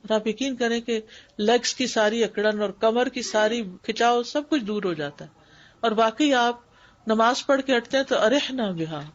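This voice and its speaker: Woman teacher explaining prayer, lo-fi recording. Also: fairly high pitch. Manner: explanatory, emphatic, repeats key points. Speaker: Islamic studies teacher. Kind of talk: lecture on prayer. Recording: dull lo-fi recording.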